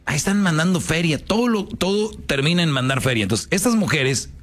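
A man's voice: fairly high pitch, lively intonation, brisk. Slangy Mexican man lecturing casually. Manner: slangy, lecturing, hesitant restarts. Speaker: show host giving commentary. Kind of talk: casual commentary.

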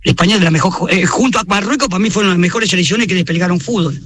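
Emphatic Argentine man, high and quick. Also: a bit bright. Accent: Argentine Spanish. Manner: passionate, emphatic, opinionated. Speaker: caller. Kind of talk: radio phone-in chat.

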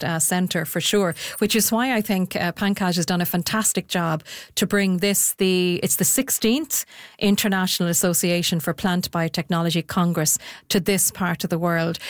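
A woman's voice: on the low side, no room sound, clean studio sound. A woman professor speaking as a radio interview guest, enthusiastic and chatty, with fillers like "I mean" and "you know".

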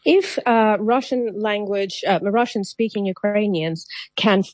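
A woman's voice: mid-range voice, a little slow, no echo. A woman guest commentator arguing her case in a news debate, fluent but with many ums and restarts. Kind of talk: animated debate argument.

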